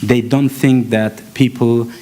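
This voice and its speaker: A man from Palestine, giving an earnest conference talk, often pausing and restarting as he searches for words. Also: mid-range voice, steady tone, dark tone. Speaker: actor and panel speaker. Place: conference hall stage.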